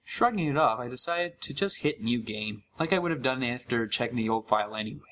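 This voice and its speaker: Man playing a wry gamer with lively, swinging intonation. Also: mid-range voice, a little fast, slight background noise. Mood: curious. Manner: wry, conversational storytelling. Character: sarcastic, curious young male gamer recounting a creepy found game. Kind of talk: first-person horror story narration.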